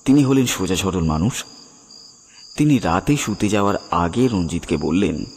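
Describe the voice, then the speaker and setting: A man narrating a scripted horror story dramatically, with suspenseful, weighted pauses. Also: sits low, lively intonation, a little mellow, slightly rough. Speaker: narrator and presenter. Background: music with birds and crickets.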